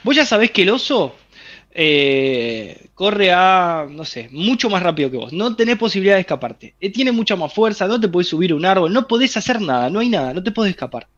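This man's voice is high and fairly bright, swinging widely in pitch at a fairly quick pace, and the audio sounds muffled. He has a Rioplatense Spanish accent and explains a health theory in an animated interview, addressing the listener directly through vivid scenarios from daily life.

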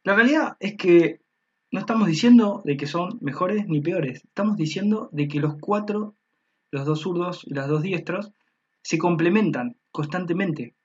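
A man's voice: sits high, normal speed, darkish tone, slightly rough. A man, the host, explaining in a casual way and checking in with the listener. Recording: dull lo-fi audio.

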